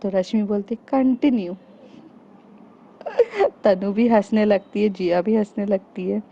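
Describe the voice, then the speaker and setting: A woman's voice: medium pitch, flat delivery, moderate pace, vocal fry. A woman telling a serialized story in a casual, chatty way, speaking directly to her listeners as friends, on a dull lo-fi recording.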